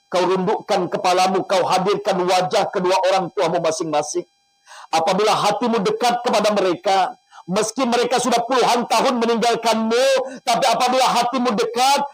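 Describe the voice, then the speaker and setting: High-voiced man leading a fervent prayer. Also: slightly rough, poor audio. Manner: fervent, pleading, repeats the refrain of calling on God; addresses listeners intimately, guiding them to picture their parents. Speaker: preacher. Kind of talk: emotional sermon leading a prayer.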